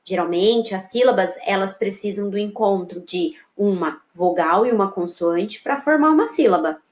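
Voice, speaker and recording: A woman with a Brazilian accent, a primary school teacher walking young pupils through a workbook in a slow, sing-song voice that keeps checking they follow. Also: mid-range voice, expressive. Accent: Brazilian Portuguese. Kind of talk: recorded remote lesson walking through a workbook. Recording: echoey room.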